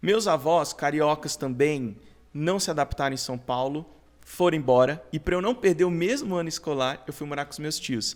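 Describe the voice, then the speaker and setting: A man's fairly high voice with a slight Rio de Janeiro accent, moderate pace and ordinary pitch variation, in a very clean recording over a silent background. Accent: slight carioca. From Rio de Janeiro, Brazil. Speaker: pastor. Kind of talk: podcast interview.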